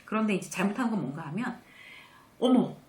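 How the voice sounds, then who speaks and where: A woman giving a conversational lecture on workplace manners, acting out the quoted lines in a lively, chatty way. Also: medium pitch, brisk, reverberant.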